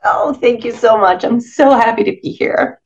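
A woman's voice: a little high, normal speed, dull audio. A middle-aged woman from Venezuela, a dog trainer guest chatting and laughing often. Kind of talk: casual interview chat.

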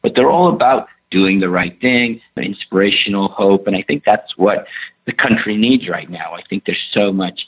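A man's voice: on the low side, moderate pace. A middle-aged man from Iran, a film producer and actor, chatting in a rambling, enthusiastic way as an interview guest. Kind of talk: casual interview talk. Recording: tinny phone line.

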